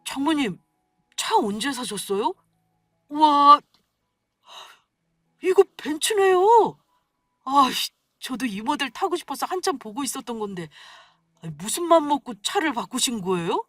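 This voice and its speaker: Indignant whiny husband, read by a woman, high voice, shrill complaining outbursts, dry close sound. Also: lively intonation, normal speed, long pauses, a bit bright, no echo, recorded from a distance, faint music behind. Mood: surprised.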